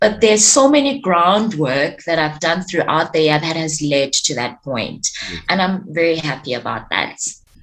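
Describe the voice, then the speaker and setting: Over noticeable background noise, a woman with a fairly low pitch talks at a moderate pace with very wide pitch swings. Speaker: radio personality and podcaster. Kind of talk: interview answer.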